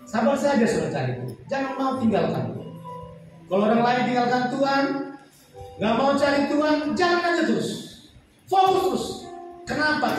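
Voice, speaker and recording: High-pitched male preacher, emphatic and sing-song, heard from a distance in a cavernous church with soft music under him. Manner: emphatic preaching, swinging between loud, sing-song lines and low, quiet ones. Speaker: pastor. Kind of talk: sermon. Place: church sanctuary. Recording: very echoey hall, voice far from the mic.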